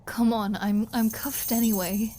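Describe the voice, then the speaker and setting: A woman playing a flirty, starving captive vampire in an ASMR roleplay, halting and teasing, with breathy asides and pleading. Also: on the high side, fairly even intonation, warm tone, a little hiss or hum, natural voice. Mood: hungry, pleading. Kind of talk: ASMR roleplay audio drama.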